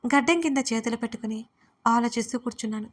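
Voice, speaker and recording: Expressive young woman storyteller, highish voice. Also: fast. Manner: expressive, pleading in dialogue. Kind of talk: first-person audio story narration.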